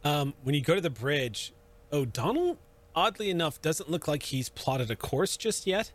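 A man narrating a tabletop role-playing game as game master, in a relaxed, hesitant way. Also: fairly high pitch, normal speed.

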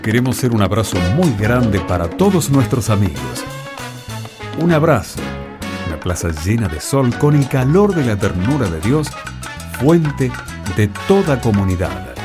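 A man announcing a scripted radio sign-off in an expressive style. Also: medium pitch, unhurried. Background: Latin American music.

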